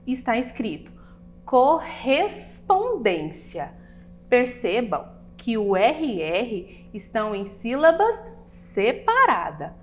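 A woman's voice: a little high, a bit bright. A woman teacher giving a recorded lesson for children, explaining patiently and asking the pupils questions.

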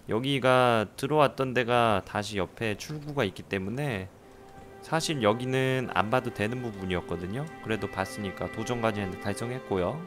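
A man's voice: mid-range voice, a bit bright. A man giving casual, jokey commentary while playing a horror game, exclaiming and swearing at scares. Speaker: game streamer.

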